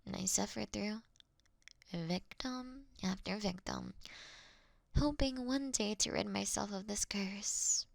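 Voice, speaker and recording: A woman's voice: mid-range voice, gravelly, no room sound. A woman playing a courteous, doting vampire in a scripted roleplay, speaking intimately and breathily, often slipping into a whisper. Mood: wistful, confiding. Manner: slow, intimate, gently theatrical. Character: female vampire, courteous, doting, wryly confessing to her sleeping prey. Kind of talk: scripted roleplay audio for one listener.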